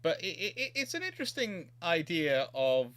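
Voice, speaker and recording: Bright, higher-pitched man hosting a livestream. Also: sing-song, moderate pace. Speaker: livestream host. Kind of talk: casual livestream chat.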